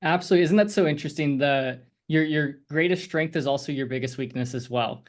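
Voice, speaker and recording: A man's voice: on the high side, fast. A man coaching a group on a video call, talking casually in a rambling, encouraging way with lots of fillers. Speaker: sales coach.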